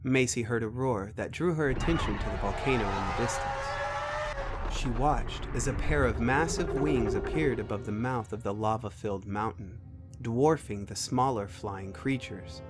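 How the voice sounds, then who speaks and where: A man's voice: mid-range voice, moderate pace, loud music behind the voice. A man narrating a scripted science fiction story.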